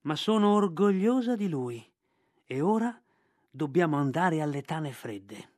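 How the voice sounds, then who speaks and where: A man's voice: a little high, big pitch swings, unhurried, darkish tone, no room sound, studio quality. A man voicing a proud, fierce female panther who speaks sharply and commands. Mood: firm.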